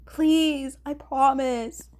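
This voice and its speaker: A woman's voice: high voice, steady tone, extremely slow, a little mellow, voice pushed up. A woman voicing an earnest, flustered young man, the newcomer at an agency, in a fan fiction audiobook.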